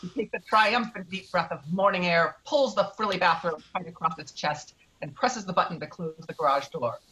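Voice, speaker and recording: A woman's voice: on the low side, moderate pace, sharp tone, rough recording. A woman reading screenplay stage directions as the narrator of a table read.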